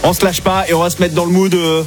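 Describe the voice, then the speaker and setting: A man hosting a live evening radio show, upbeat and playful with quick banter. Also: high-pitched, level tone, faint music behind. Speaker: radio host. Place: radio studio.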